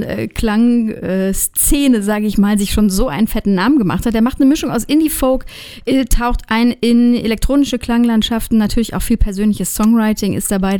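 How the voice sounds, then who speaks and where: A woman's voice: medium pitch, warm tone. A woman hosting a radio interview, chatty, with frequent fillers as she talks. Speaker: radio host.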